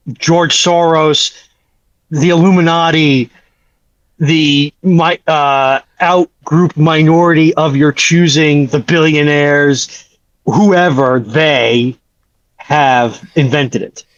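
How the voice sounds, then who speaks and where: A man chatting casually as a livestream guest, pausing between phrases, heard on dull, close call audio. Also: on the high side, dry recording. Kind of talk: casual chat.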